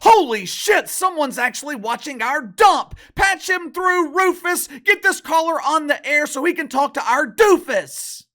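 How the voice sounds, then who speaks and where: A man playing a frantic, astonished TV producer who shouts excitable orders in a mocking skit. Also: extremely high pitch, a little slow, hardly any pauses, voice pushed up, heavily acted. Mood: frantic excitement.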